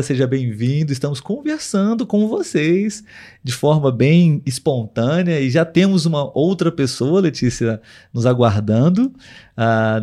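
A man hosting a live podcast, talking patiently and clearly with listeners over a video call. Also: medium pitch, dark tone. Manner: patient, clear, slowed for learners. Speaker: podcast host.

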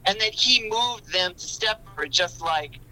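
A man's voice: high-pitched, expressive, unhurried, bright, forceful tone, slight background noise, low-quality recording. A man, a podcast guest, walking through a book's plot in detail during a casual film discussion. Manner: detailed, explanatory storytelling.

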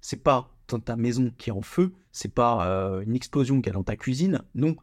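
A man's voice: mid-range voice, expressive, moderate pace. A young man hosting a casual solo podcast, informal and slangy, often stumbling and repeating words. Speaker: podcast host.

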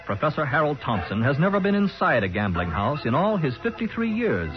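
A man's voice: on the high side, big pitch swings, fairly quick. A man announcing a 1940s radio show in a dramatic, emphatic style. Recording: muffled old radio, loud organ music.

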